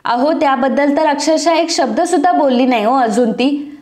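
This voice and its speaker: A woman's voice: high voice, moderate pace, a little mellow, roomy sound, natural voice. A woman narrator voicing a humble older father who pleads respectfully for his daughter. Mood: pleading.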